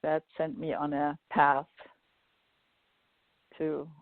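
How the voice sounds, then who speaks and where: A woman from Germany, a guest on an online talk show, telling her story in a thoughtful, unhurried way. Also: low-pitched, monotone, no room sound. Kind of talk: casual interview talk. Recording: dry, phone-like call audio.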